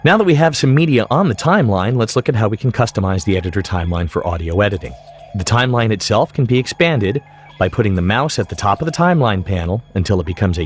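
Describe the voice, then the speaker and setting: A middle-aged man giving scripted tutorial narration in a deliberate, emphatic way. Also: lowish voice. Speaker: software tutorial instructor.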